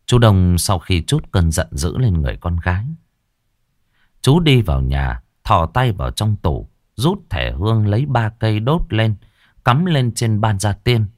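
A man narrating a ghost story in a lively, dramatic way. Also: on the low side, unhurried, no echo, clean studio sound.

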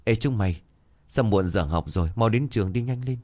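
A man's voice: lowish voice, animated, a little fast, a little mellow, no echo, close to an everyday voice. A man voicing a worried schoolgirl friend sharing gossip. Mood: urgent.

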